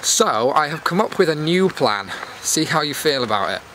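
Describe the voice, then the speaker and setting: Walking outdoors in a public space, a male YouTube host chats casually into a handheld camera, poking fun at himself as he rambles on. His voice is a bit high and sharp, swinging widely in pitch at a moderate pace. The recording is low quality, with clear outdoor noise from his walk.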